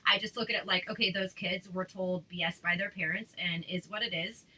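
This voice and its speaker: A woman's voice: fairly low pitch, steady tone, a little fast, bright, forceful tone, slightly rough, rough recording. A woman hosting a casual chat over a video call, talking in loose, filler-heavy sentences with frequent restarts. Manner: chatty, many fillers and restarts. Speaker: host.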